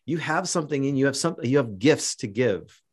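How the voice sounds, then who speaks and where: A Canadian man hosts a podcast in relaxed conversation. He rambles, circles back on his own words and stumbles through restarts, yet keeps the tone upbeat and encouraging. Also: mid-range voice, brisk, husky. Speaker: podcast host. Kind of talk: casual interview chat.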